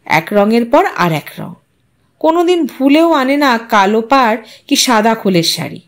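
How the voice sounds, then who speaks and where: A woman narrating a literary story in an expressive, measured, dramatic way. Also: fairly high pitch.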